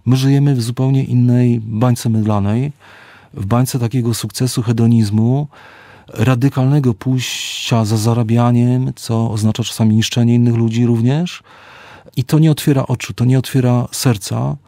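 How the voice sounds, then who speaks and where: With a dark, mid-range voice and fairly even intonation, a middle-aged man who is an author and psychologist gives thoughtful, measured interview answers. He slows to emphasize key words, and there's no echo.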